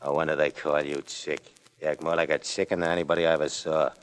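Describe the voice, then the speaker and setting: An actor playing a scheming, mocking racketeer boss in a 1950s radio drama. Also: male voice, a bass voice, little pitch movement, quick pace. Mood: menacing. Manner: sneering, menacing.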